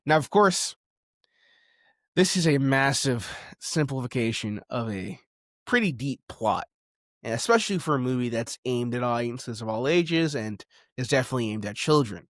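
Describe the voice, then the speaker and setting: A man hosting a video essay, speaking in a conversational, emphatic way with dramatic pauses. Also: mid-range voice, animated, a bit bright, no echo, studio quality. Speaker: podcast host and video essayist.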